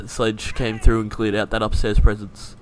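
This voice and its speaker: A man's voice: fairly low pitch, little pitch movement, moderate pace, a little hiss or hum. A young man giving casual gameplay commentary as a video creator, laid-back, thinking aloud and swearing now and then. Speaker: gaming YouTuber.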